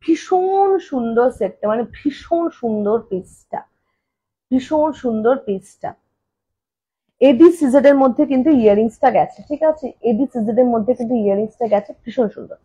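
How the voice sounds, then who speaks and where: Husky-voiced woman selling jewellery live. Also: on the high side, lively intonation, warm tone, highs cut off. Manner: repeats prices slowly, then chats fast in bursts. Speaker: jewellery seller on a live stream. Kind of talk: live-stream sales talk. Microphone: phone camera.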